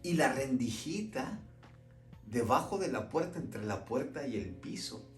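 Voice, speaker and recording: A man's voice: mid-range voice, lively intonation, measured pace, echoey room, soft background music. A man telling a Christian testimony as a dramatic story, emphatic and repeating words for effect.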